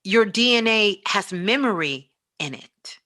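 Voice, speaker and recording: A woman's voice: mid-range voice, animated, unhurried, bright, forceful tone, dry recording, studio quality. A woman giving a spiritual motivational talk as a teacher, speaking emphatically and repeating phrases for effect.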